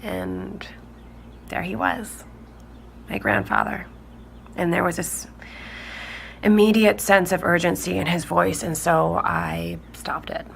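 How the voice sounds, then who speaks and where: An actress playing a woman who recounts her discovery in halting, natural speech in an audio drama. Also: lowish voice, vocal fry, heavily acted. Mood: uneasy. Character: shaken woman recounting her grandfather's secret tapes. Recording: faint background noise.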